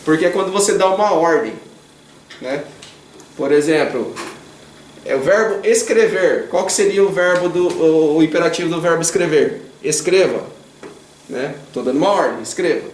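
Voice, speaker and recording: A man's voice: a little high, normal speed, far from the mic. A man with a Brazilian Portuguese accent teaching Japanese grammar in an informal class. He is patient and chatty, asks the class questions, tags his sentences with a questioning "né?", and corrects himself mid-sentence. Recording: echoey room, voice away from the mic, faint background hum.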